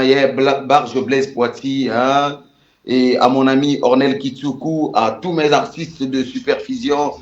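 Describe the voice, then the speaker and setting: Man, Congolese French accent, musician guest, roomy sound, dull lo-fi audio. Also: mid-range voice. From Republic of the Congo. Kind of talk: casual interview, mixing French and Lingala.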